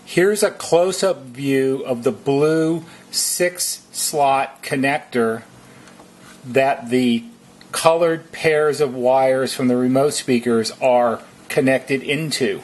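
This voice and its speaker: A medium-pitched man working as a repair technician narrates a deliberate how-to, giving methodical, step-by-step instructions.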